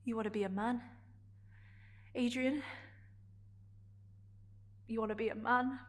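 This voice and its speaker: A woman performing a dramatic stage monologue as a vulnerable, defiant gay woman confronting a partner, in halting, emotionally charged phrases. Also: mid-range voice, steady tone. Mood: pleading, firm.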